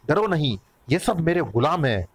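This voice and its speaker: A man voicing a gruff, hot-tempered man of the wolf clan who bosses and threatens. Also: a little high, sing-song, normal speed, no room sound. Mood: reassuring.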